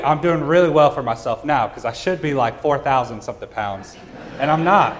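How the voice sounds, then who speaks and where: A man preaching a sermon, telling a personal story in a casual, joking way with frequent "uh" fillers, at a church service. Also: on the high side. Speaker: pastor.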